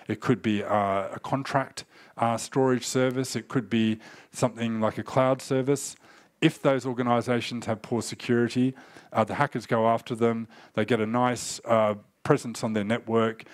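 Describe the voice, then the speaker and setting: A man who is getting over a cold, giving a conference talk with many pauses and fillers. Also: lowish voice, no echo. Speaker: cybersecurity speaker.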